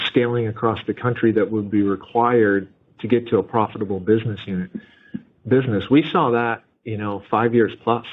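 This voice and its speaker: Lowish male executive on tinny line. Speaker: company finance or leadership executive. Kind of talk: corporate answer on earnings call. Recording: tinny narrow conference phone line.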